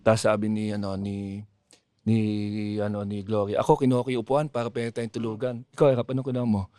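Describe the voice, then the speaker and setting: A man's voice: on the low side, flat delivery, fast talker, mellow, no room sound, clean studio sound. A man, a comedian guest on a podcast, rambling through a long joke and acting out the quotes. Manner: rambling storytelling with acted-out quotes and laughter.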